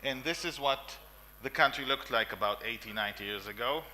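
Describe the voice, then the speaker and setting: In a meeting room, a man in his forties with an Israeli accent delivers an emphatic conference talk full of repeated lists, coughs and fillers. His mid-range voice is brisk, bright and forceful. The recording is rough, with slight background noise.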